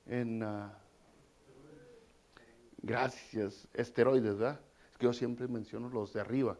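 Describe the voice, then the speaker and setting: A man's voice: medium pitch, darkish tone. A male pastor, preaching a sermon in a conversational way, with casual asides and repeated phrases.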